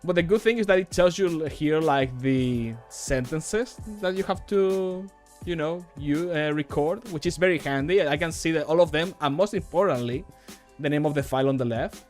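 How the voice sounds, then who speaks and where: A man's voice: a little high, normal speed, a little mellow, soft background music. Rambling, self-deprecating male streamer. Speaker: streamer and game modder. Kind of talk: casual livestream chat. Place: small home room, indoors.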